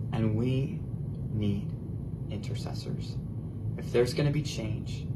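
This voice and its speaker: Loud background noise runs under speech that moves at a very slow pace, broken by long, frequent pauses. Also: man. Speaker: young preacher. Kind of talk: sermon. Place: meeting room. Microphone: camera far.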